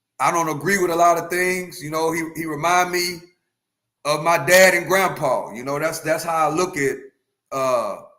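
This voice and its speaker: With audible room echo, a man at a high pitch and in a bright, sharp tone keeps his intonation fairly even at a moderate pace. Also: long, frequent pauses. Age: 50s. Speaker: live streamer. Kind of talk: casual live stream commentary. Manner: halting, repetitive.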